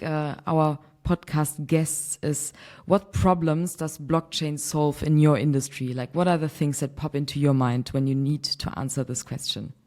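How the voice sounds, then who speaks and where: Podcast host, woman from Germany, low pitch, chatty, laughs easily. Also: a little mellow. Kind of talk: casual podcast interview. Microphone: remote call.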